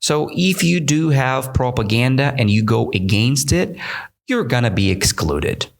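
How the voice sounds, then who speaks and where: A man's voice: medium pitch, animated, unhurried, vocal fry. A man from Russia with a Russian accent, hosting an English-learning podcast and explaining words in a chatty way, often asking "right?". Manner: chatty, keeps checking with "right?". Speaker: English teacher, podcast host. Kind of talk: explaining vocabulary while reading comments aloud.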